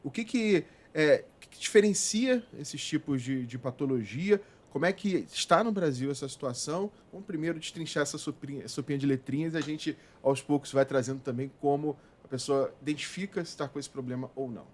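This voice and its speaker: A man's voice: a little high, brisk, hardly any pauses. A man with a Brazilian Portuguese accent hosting a health videocast in a podcast studio, upbeat and jokey. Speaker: radio videocast host. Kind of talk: show host intro and questions.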